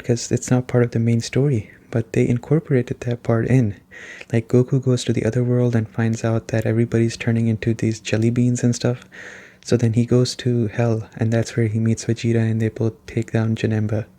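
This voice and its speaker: A man giving a soft-spoken, casual ASMR-style video game review in a conversational way. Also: medium pitch, little pitch movement, moderate pace.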